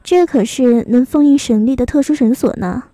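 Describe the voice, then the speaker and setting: A woman's voice: sits high, mellow, no room sound, natural voice. Woman playing a coy, mocking young woman. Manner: coy, teasing, drawn-out sentence endings. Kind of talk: adult fan audio drama.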